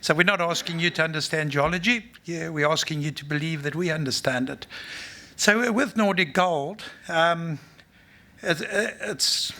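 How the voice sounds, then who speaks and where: A man's voice: fairly high pitch, moderate pace, pushed and bright. A man with a South African accent, a mining company executive giving an unscripted conference presentation in a blunt, matter-of-fact way, full of fillers and restarts. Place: conference stage.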